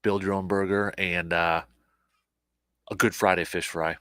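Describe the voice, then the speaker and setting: A male host chats loosely and plugs upcoming shows, trailing off into fillers as he goes. His voice sits low. The sound is dry and close to the mic. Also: a little slow, smooth, no echo. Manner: relaxed, rambling with fillers. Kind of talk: casual radio show chat.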